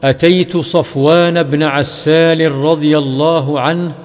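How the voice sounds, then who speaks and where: A man chants religious narrations in a slow, melodic recitation. His voice sits slightly high and unhurried. A long reverb trails behind every phrase. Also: fairly even intonation. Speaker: hadith reciter.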